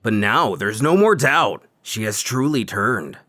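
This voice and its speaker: A man narrates an action story in a dramatic, scripted comic style, with dramatic music playing behind him. His medium-pitched voice is fairly bright, with lively intonation and a slightly slow pace. The recording is dry, with clean studio sound.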